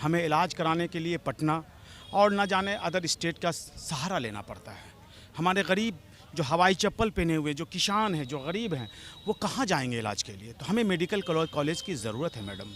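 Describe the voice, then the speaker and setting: A man with a fairly high, animated, slightly bright voice speaks at normal speed as a local political supporter in a street interview. He argues passionately, pressing his demands and repeatedly addressing the interviewer as madam.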